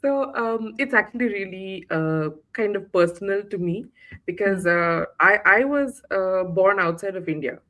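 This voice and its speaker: A woman's voice: mid-range voice, moderate pace, a bit bright. A woman author who grew up in the United Arab Emirates, chatting casually as a guest, with many fillers and restarts. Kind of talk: casual interview chat.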